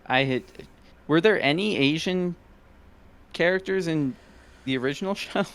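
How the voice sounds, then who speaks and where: A man's voice: a little high, moderate pace, fairly bright tone, smooth. A man co-hosting a podcast in casual chat, asking questions and hesitating as he thinks. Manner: inquisitive, hesitant, asks questions. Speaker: podcast co-host.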